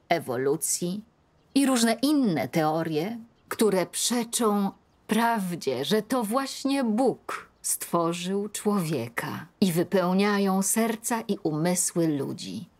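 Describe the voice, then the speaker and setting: A middle-aged woman in a dubbed film, reading a religious text aloud at a home table in a slow, earnest way. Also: mid-range voice, a little mellow. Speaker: older woman leading a scripture reading.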